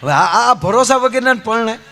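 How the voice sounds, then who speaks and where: A man telling comic wedding stories on stage with a Saurashtra Gujarati accent, animated and acting out each character. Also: moderate pace. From Saurashtra, India. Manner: animated storyteller, acts out characters with pitch swings. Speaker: folk comedian. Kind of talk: stage comedy storytelling.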